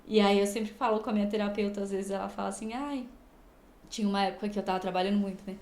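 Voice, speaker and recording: A talkative Brazilian woman chats as a podcast guest and drifts from point to point. She acts out little quoted remarks along the way. Her voice sits at an ordinary pitch, and the room around her has a noticeable echo. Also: little pitch movement, rapid-fire, darkish tone. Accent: Brazilian Portuguese. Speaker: guest, medical student and influencer. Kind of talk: casual podcast chat.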